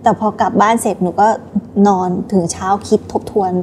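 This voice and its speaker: A young woman, a talk show guest, telling a personal story politely and quickly. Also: medium pitch, fairly even intonation, darkish tone, slight background noise.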